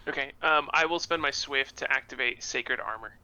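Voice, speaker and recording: A man's voice: medium pitch, normal speed, sharp tone, clean tone, low-quality recording. A man playing a tabletop game, speaking in a casual, matter-of-fact way. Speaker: player.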